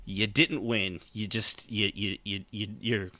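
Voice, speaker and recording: A man's voice: lowish voice, steady tone, measured pace, sharp tone, no echo. A man co-hosting a podcast in casual, rambling talk, repeating words as he hunts for the point, with a sardonic streak. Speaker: podcast co-host.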